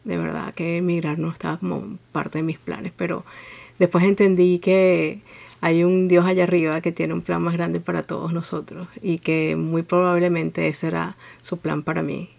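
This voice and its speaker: A woman from Venezuela with a Venezuelan accent, telling her story as an interview guest in a reflective, steady way with frequent fillers. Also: lowish voice, normal speed, gravelly.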